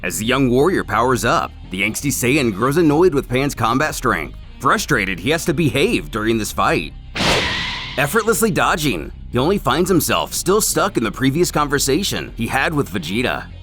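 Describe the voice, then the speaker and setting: A man reads scripted recap narration at a normal pace, adding dramatic emphasis. His mid-pitched voice rises and falls lively, and faint music plays behind him.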